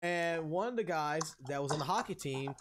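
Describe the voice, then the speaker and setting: Streamer, thirties, male: heated profane rant, lively pitch, slight hiss on the line. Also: moderate pace. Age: 30s. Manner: profane, heated, rambling with restarts. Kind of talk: ranting open discussion.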